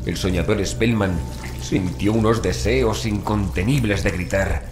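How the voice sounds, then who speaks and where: Male horror audiobook narrator, low register, measured and dramatic, echoey sound with faint noise. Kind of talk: scripted horror story narration. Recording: roomy echo, faint background noise.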